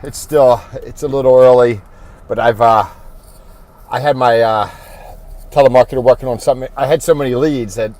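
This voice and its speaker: A man with a mid-range, darkish voice and fairly even intonation walks through an informal corporate training video as an insurance agent. He thinks out loud in a rambling, halting manner.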